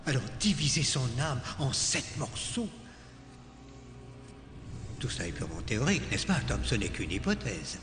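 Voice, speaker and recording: A man's voice: medium pitch, wildly swooping pitch, normal speed, long pauses. A man playing a genial but uneasy older wizard schoolmaster in a dubbed fantasy film, avuncular and theatrical. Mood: shocked, anxious. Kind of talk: dramatic film dubbing. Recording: echoey hall, film music behind.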